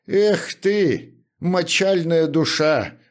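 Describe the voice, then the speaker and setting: Man playing an older butler, stern, bossy, gruff, commanding, lively inflection, audiobook. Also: a little high, drawn-out words, pitched above the performer's own voice. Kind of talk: audiobook character reading.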